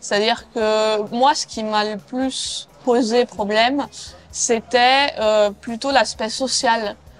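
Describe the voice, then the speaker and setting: Music plays behind a woman speaking at a very slow pace. Her pitch is fairly high and her intonation fairly even. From France, Saint-Étienne. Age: 20s. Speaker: animal rights activist. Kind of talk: interview.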